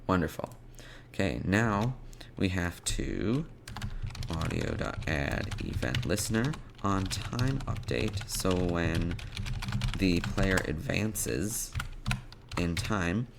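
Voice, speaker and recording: A man presenting a casual step-by-step programming tutorial, haltingly thinking aloud as he types. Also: low voice, expressive. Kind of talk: casual step-by-step coding screencast narration. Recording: clear background noise, keyboard clicking and typing. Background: computer keyboard typing and clicks.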